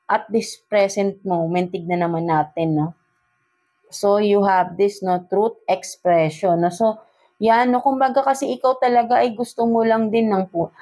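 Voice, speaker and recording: A woman's voice: medium pitch, dark tone. A woman with a Filipino accent giving a casual tarot love reading, switching between Tagalog and English and tagging nearly every phrase with a questioning "no?". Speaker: tarot reader.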